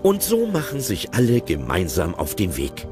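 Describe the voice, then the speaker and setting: A male narrator telling an audio drama calmly. His voice is low but very lively, with clear music beneath it. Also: normal speed. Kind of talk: storybook narration.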